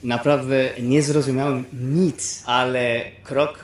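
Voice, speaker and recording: A man's voice: medium pitch, flat delivery, unhurried. A man with a mid-range voice speaks steadily and sincerely. A heavy room echo surrounds every word. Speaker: interviewee.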